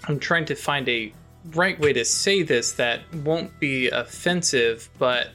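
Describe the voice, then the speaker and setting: A man's voice: mid-range voice, unhurried, pushed and bright, faint music behind. A man voicing a cautious, polite male society official who apologizes before asking a blunt question. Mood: apologetic. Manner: hesitant, overly apologetic.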